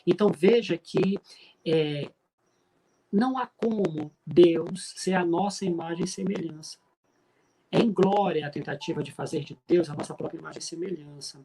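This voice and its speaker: A middle-aged man from Pará, Brazil, with a regional accent, giving an emphatic, preacher-like spiritist talk with frequent filler pauses. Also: a little high, gravelly, warm tone, poor audio. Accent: Brazilian Portuguese from Pará. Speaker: spiritist speaker.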